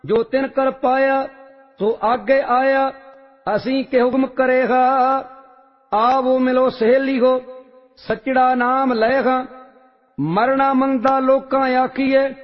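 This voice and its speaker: A man reciting religious hymns in a measured, sing-song chant. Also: very high-pitched, flat delivery. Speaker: scripture reciter. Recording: long reverb, dull lo-fi sound, faint music.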